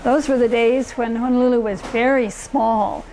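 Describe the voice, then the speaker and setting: A woman's voice: on the high side, fairly even intonation, moderate pace, darkish tone, slight background noise, low-quality recording. An older woman from Hawaii, reminiscing fondly and rambling a little as she searches for words. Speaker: interviewee. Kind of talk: personal reminiscence.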